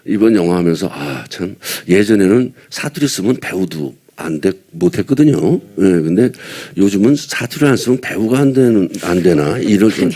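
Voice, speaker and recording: Older man from Seoul, low voice, husky, mellow, rambling casual talk, self-deprecating. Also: expressive, normal speed, few pauses. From Seoul, South Korea. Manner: rambling, self-deprecating, chuckling between thoughts. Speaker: veteran actor at a film press event. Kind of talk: casual press-conference chat.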